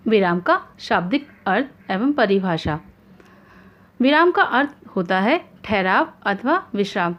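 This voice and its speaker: A woman hosting an online grammar lesson, explaining in a formal, measured way with examples. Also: medium pitch, highs cut off. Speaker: Hindi grammar teacher, channel host.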